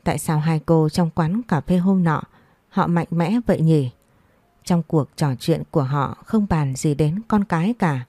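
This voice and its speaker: A woman telling a sorrowful first-person story in measured scripted narration. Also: low-pitched, dark tone, no echo.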